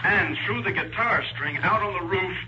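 Actor as higher-voiced American police sergeant, old radio. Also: male voice, normal speed, close to an everyday voice. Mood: matter-of-fact. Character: plain-spoken male police sergeant recounting a case. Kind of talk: 1940s radio acting. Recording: muffled, noisy 1940s radio recording.

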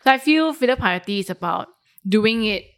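A woman's voice: a little high, expressive, normal speed, fairly bright tone. Frank Singaporean woman with Singlish slang. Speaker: panel guest. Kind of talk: casual panel discussion with Singlish slang.

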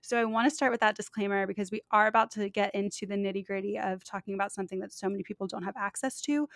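Gravelly-voiced young woman podcast host. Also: mid-range voice, dry recording, clean studio sound. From United States. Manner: upbeat, talks directly to listeners. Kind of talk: casual chat.

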